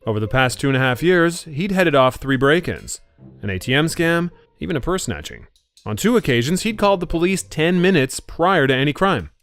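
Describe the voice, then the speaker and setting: A male voice-over artist delivers scripted demo reads, covering commercial, explainer and narration, in a polished, articulate style. His voice is medium-pitched and a bit bright. A music bed plays behind him.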